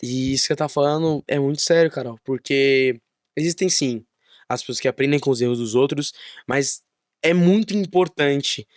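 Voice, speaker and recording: A man's voice: medium pitch, moderate pace, no room sound, studio quality. A man hosts a casual podcast interview, encouraging his guest and finishing her sentences. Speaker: podcast host.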